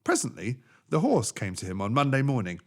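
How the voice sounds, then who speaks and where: A man narrating a children's story from a script as a storyteller, with expressive, deliberate theatrical phrasing. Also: medium pitch.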